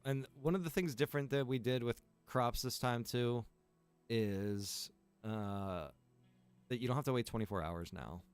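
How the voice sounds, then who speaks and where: A man with a low, smooth and resonant voice chats loosely on a livestream and walks through his game server's new features. He rambles, fills pauses with "uh" and "like", and ticks items off one by one while faint music plays underneath. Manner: rambling, filler-heavy, lists features one by one. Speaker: game server owner and developer. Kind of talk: casual livestream chat.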